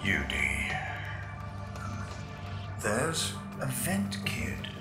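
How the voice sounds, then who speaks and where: A man playing a calm, gentle ally in a video game, speaking in a measured way with dramatic pauses. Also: mid-range voice, full character voice. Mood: tender. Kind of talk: video game dialogue acting. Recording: echoey voice under loud music.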